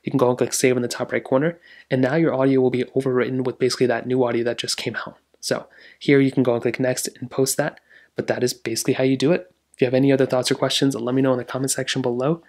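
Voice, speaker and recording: Fast-talking man giving a casual tutorial. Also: mid-range voice, level tone, a little mellow. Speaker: tech tutorial host. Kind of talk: casual how-to voiceover.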